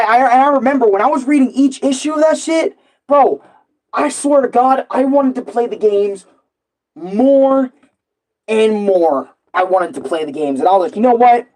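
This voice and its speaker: A man rambling casually and excitably on a live stream, full of slang and repeating himself. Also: sits high, rough recording. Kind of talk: casual, rambling live stream chat about comics and games.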